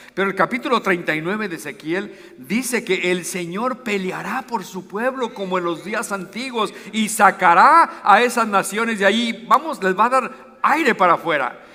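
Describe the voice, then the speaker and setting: There is noticeable background noise behind a man speaking at a high pitch. His raised, projected voice carries lively intonation. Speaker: pastor. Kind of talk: sermon. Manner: fast.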